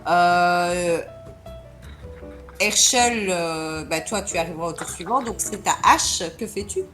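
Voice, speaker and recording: A woman with a French accent narrating a tabletop role-play game as game master, halting often with fillers. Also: fairly low pitch, fairly bright tone, soft background music. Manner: hesitant, many fillers.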